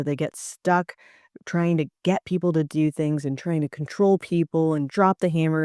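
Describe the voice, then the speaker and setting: A woman's voice: sits low, a little mellow, dry recording, studio quality. A woman, an organizational psychologist, giving a motivational podcast talk on careers, speaking emphatically and stacking her points in repeated lists.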